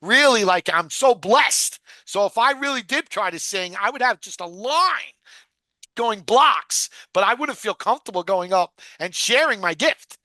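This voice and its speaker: A man's voice: sits high, animated, measured pace, pushed and bright, dry recording. A man hosting a casual podcast, talking in loose, profane rambles full of fillers. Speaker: podcast host. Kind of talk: casual rewatch podcast chat.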